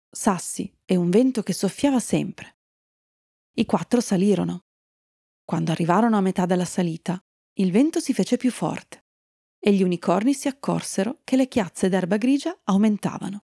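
A woman storyteller gently reading a fairy tale to children and chatting kindly with her young listeners. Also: medium pitch, moderate pace, creaky, no room sound, clean studio sound.

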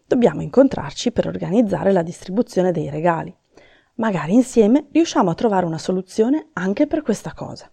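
A woman voicing a tired old Santa Claus in a storybook reading, gloomy, gentle and weary. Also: on the low side, lively intonation, brisk, gravelly, breathy edge, full character voice.

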